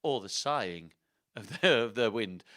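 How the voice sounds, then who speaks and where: A dead king's ghost, acted out by a man, tells his storybook tale in the first person. The delivery is slow and theatrical in a put-on rustic accent, with a bright, forceful tone and broad swings of intonation. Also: lowish voice, lively intonation. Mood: brooding, wistful. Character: dead King Richard the third, dramatic rustic storytelling ghost.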